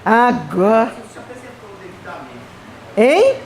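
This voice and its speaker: A Brazilian woman giving a Spiritist conference talk, telling personal stories in an animated, chatty way with playful asides. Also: a little high, very slow. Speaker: Spiritist speaker. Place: event hall.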